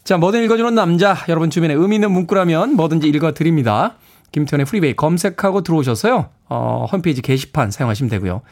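A man's voice: fairly high pitch, fast. Playful male radio DJ. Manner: lively, playful, laughs often. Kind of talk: radio show hosting. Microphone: studio microphone.

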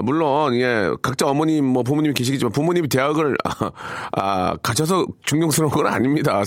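A man's voice: lowish voice, gravelly, no room sound. A man hosting a live radio call-in show, chatting with a caller and reading out listener texts. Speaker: radio host. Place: radio studio.

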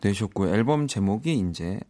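Male radio host with lively, swinging intonation. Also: lowish voice, moderate pace. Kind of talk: casual music radio interview. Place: radio studio. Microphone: studio microphone.

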